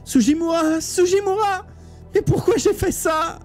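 A frightened teenage schoolgirl, put on by a man reading aloud, pushed far up into a thin, strained register. Her pleas come out choked and sobbing. Soft music sits faintly under the reading. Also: extremely high pitch, normal speed, voice pushed up. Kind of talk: audiobook read live.

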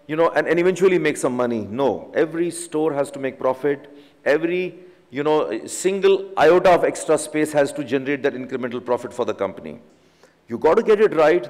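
A man in his forties with an Indian English accent, a company chief executive giving an earnest conference keynote from a podium, often saying "you know". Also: a little high. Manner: earnest, emphatic business advice, frequent "you know" fillers. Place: large conference hall stage, at a podium. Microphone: podium microphone. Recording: reverberant conference hall.

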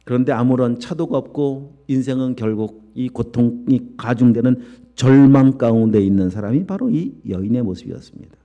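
A man's voice: medium pitch, moderate pace, dull audio. A male pastor preaching an emphatic sermon full of rhetorical questions to his church congregation.

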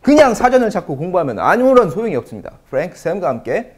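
A man teaching English in an online lecture, emphatic and animated, slowing right down to drill English words. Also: sits high, breathy edge.

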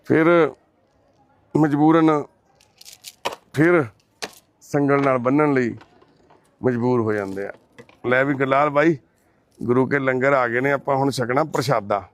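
Gently coaxing Punjabi man. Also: medium pitch, measured pace, pauses often. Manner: gentle, repetitive coaxing, calling the man brother. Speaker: volunteer at a care shelter. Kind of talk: coaxing talk and narration to camera.

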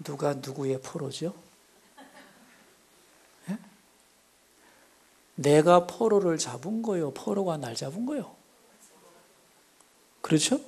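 A middle-aged man preaching in a church with a fairly high voice. He swings from loud, ringing exclamations down to hushed near-whispers. He keeps putting questions to the congregation as he goes. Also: animated, slow, pauses often, breathy edge. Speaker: pastor. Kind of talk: sermon. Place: church sanctuary.

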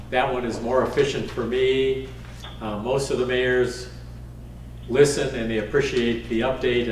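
Measured mayor in a roomy council chamber. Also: male voice, medium pitch. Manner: measured, frequent ums. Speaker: mayor chairing a council meeting. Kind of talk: formal meeting update. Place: wood-paneled council chamber. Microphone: desk microphone from a far camera. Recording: roomy chamber, distant mic, faint hiss.

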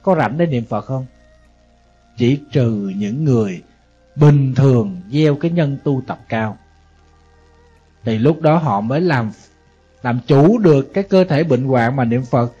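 The male Buddhist monk, with a Southern Vietnamese accent, is animated as he preaches, speaking at a measured pace and pausing often. His mid-range voice is warm and slightly rough, and he asks the audience rhetorical questions in a conversational manner. The sermon's lo-fi audio is dull, with faint music behind.

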